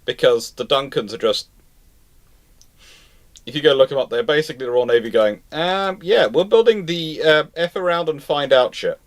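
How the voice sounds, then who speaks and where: A man's voice: on the high side, moderate pace. Man rambling enthusiastically in casual chat. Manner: rambling enthusiast, stumbles and restarts mid-sentence. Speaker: host of a live naval history question-and-answer stream.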